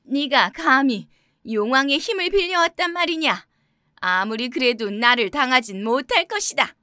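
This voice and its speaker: A woman voicing a shrill sneering old witch. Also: sing-song, a little slow, dry recording, clean studio sound. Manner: loud, sneering and threatening. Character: menacing old female witch, scornful. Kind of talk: storybook character voice.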